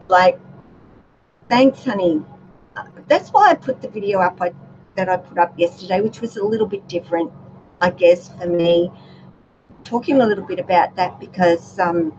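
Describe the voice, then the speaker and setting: A woman with a soothing voice, hosting a relaxed livestream chat with her viewers, gentle and chatty with many fillers. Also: medium pitch. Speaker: YouTube channel host. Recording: dull lo-fi livestream audio with faint noise.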